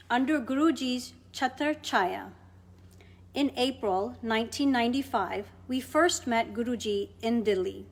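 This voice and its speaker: Woman, higher voice, measured and deliberate, scripted reading of a spiritual devotional account. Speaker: devotional reader.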